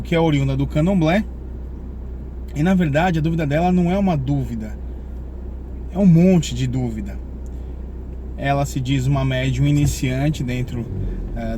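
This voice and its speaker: A Brazilian man in his thirties hosting a casual chat, explaining things in a reassuring, didactic way with rhetorical questions. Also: a little high. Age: 30s. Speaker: host. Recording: loud outdoor traffic noise.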